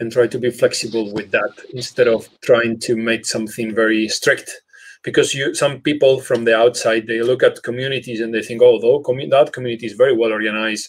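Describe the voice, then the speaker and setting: A man speaks with a Spanish accent at a medium pitch. His pace is fairly quick and his intonation flat and monotone. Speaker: community organizer. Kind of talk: interview. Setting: video call. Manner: halting.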